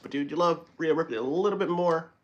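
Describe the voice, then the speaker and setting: A man hosts a live stream, chatting casually in an animated, rambling way, often correcting himself and laughing. His voice is on the high side and fast, and the recording's highs are cut off.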